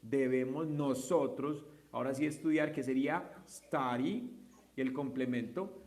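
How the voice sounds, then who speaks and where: A man's voice: mid-range voice, unhurried, a little mellow. A man teaching English grammar to a class, explaining step by step, mixing Spanish with English examples and often asking "¿sí?" to check understanding. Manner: patient, step-by-step, asks students checking questions.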